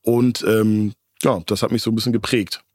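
A man's voice: fairly low pitch, little pitch movement, a little mellow, no echo, studio quality. A man, a restaurant owner, telling stories loosely with lots of fillers as a podcast guest. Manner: fast, loose storytelling with fillers. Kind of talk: casual chat.

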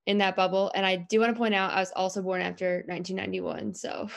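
A woman's voice: mid-range voice, flat delivery, quick pace, vocal fry. A woman in her twenties co-hosting a basketball podcast, easygoing, laughing often and using many "um"s. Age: 20s. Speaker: co-host of a college basketball podcast. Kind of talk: casual sports podcast chat.

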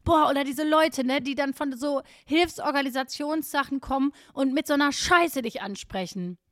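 A woman co-hosting a casual chat podcast, outspoken and animated, laughing often. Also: sits high, normal speed, no room sound, clean studio sound. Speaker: podcast co-host.

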